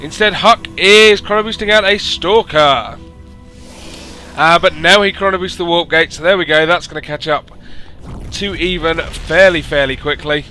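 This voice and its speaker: Man, hoarse, solo game commentary, fairly high voice, faint music underneath. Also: normal speed. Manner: rises to excited announcing at big moments. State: losing his voice. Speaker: esports caster and show host.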